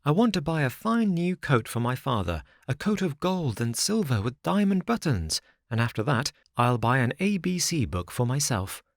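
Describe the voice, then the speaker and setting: A man voicing an excitable young wooden puppet boy in a storybook reading, speaking high and eager. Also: normal speed, few pauses, no echo, clean studio sound. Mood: excited.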